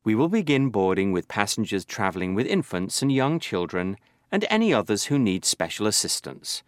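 A man's voice: on the low side, sing-song, moderate pace, no echo, clean studio sound. A man playing an airline gate agent, giving a formal, scripted airport announcement to passengers. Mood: formal, instructive. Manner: formal, clearly addressing passengers.

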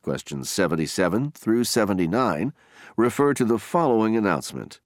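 A man reading scripted listening test instructions and questions in a formal, deliberate way. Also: lowish voice, sing-song, dry recording, studio quality.

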